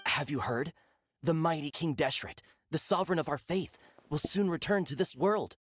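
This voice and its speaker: A man voicing a zealous, gossipy desert villager with an earnest, excitable manner in a video game. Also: a little high, normal speed, a little hiss or hum, close to an everyday voice. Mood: zealous, conspiratorial. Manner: earnest, excitable, stammering when cornered.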